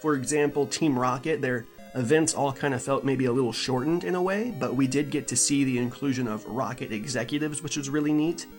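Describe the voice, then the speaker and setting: Over music in the background, a man with a medium pitch and ordinary pitch variation speaks at a very fast pace. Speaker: retro game reviewer. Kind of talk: casual talk to camera.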